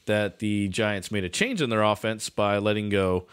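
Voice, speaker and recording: A man's voice: lowish voice, fairly even intonation, moderate pace, fairly bright tone, smooth. A man co-hosting a casual sports podcast, chatting and bantering in an easy conversational way. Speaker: podcast co-host.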